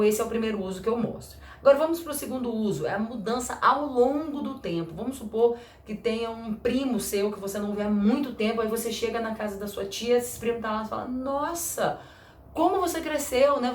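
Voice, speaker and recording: A woman teaching English grammar in a chatty, lively way, slowing down to read example sentences. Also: a little high, roomy sound, slight background noise. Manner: chatty, lively, acts out little dialogues, slows for example sentences. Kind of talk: casual explanatory lesson.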